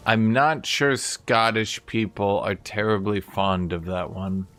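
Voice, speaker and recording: A man's voice: lowish voice, fairly even intonation, slow pace, a bit bright, a little hiss or hum. A man streaming a game, chatting casually and rambling to his viewers. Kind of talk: casual chat while gaming.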